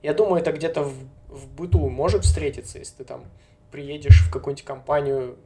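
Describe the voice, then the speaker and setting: A young man from Novosibirsk talks as a guest in an easygoing chat. His voice stays flat and level in pitch, with loose hedging fillers and small chuckles. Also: fairly quick, faint music behind. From Novosibirsk, Siberia, Russia. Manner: relaxed, hedging with frequent fillers, chuckles often. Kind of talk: casual conversation.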